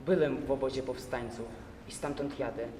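A man's voice: mid-range voice, fairly even intonation, normal speed, noisy background, lightly acted. A young man reciting in a contest voices a proud young captive who answers with restrained, shaking defiance. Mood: trembling. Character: proud young captured rider, defiant and shaken. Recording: echoey hall from far off.

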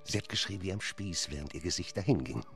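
A man's voice: sits low, expressive, fast, vocal fry, fairly bright tone, full character voice. An actor playing a cruel, menacing man who gloats curtly in a German radio drama. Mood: gloating menace. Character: Mister Hyde, sinister cruel man gloating over violence. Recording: music behind the voice.

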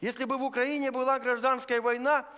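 A man from eastern Ukraine preaching a sermon in a church, earnest and deliberate, laying out his points one by one. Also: extremely high pitch, little pitch movement, pushed and bright. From Luhansk region, Ukraine. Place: church sanctuary. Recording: long church hall reverb.

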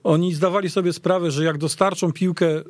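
A man talking casually about football as a studio guest, in a halting, conversational way. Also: sits high, steady tone, dry recording. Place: radio studio.

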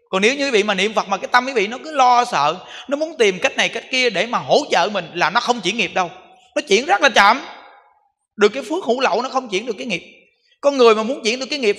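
A Buddhist monk giving an emphatic sermon, full of rhetorical questions and repetition. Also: male voice, high-pitched, sharp tone, big-room sound.

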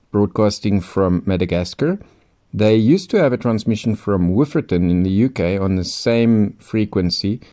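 A man's voice: on the low side, warm tone. A man explaining things in an informal narration as a radio hobbyist. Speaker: shortwave radio hobbyist and vlogger.

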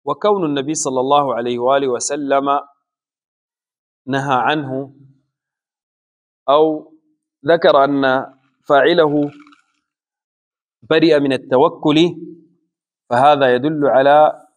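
A man explaining a religious text in a slow, deliberate teaching style with frequent pauses. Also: mid-range voice, steady tone. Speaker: Islamic scholar teaching a book. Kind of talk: measured religious lesson.

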